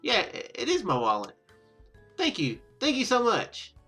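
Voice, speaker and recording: A man's voice: high-pitched, huge pitch swings, a little slow, sharp tone, soft background music, voice pushed up, full character voice. A man voicing an earnest, apologetic and very grateful young male tourist in a visual novel.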